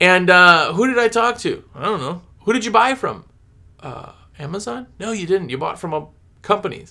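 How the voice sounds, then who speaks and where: A man's raised, projected voice, high-pitched with a bright, sharp tone, lively intonation and big swings in loudness. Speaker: podcast host and window cleaning supply sales rep. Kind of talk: solo podcast monologue. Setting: studio, also video on YouTube. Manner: casual, rambling with many fillers.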